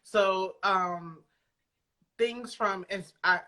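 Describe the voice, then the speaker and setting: A woman with a bright, forward voice, pitched mid-range for a woman. She answers as a guest in a casual online interview, informal and reflective, in halting phrases. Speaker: guest, audio drama creator. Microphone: remote video call.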